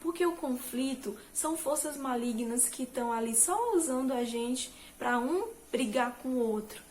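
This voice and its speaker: A woman with a slightly high voice shares a gentle, reflective Christian devotional. She talks in a soft, searching way and often rephrases her thoughts mid-sentence. Faint noise sits behind her. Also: animated, normal speed. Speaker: Christian motivational speaker. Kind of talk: devotional talk.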